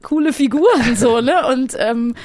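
A woman with a fairly high voice talks casually as a podcast guest. She is emphatic in her opinions, and the sound is close and dry. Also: animated, a little slow, a little mellow, no echo.

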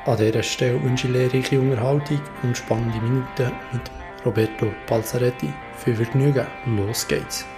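A man's voice: mid-range voice, fairly even intonation, normal speed, music in the background. A man with a Swiss accent speaking as a podcast host and interviewer in a conversational style.

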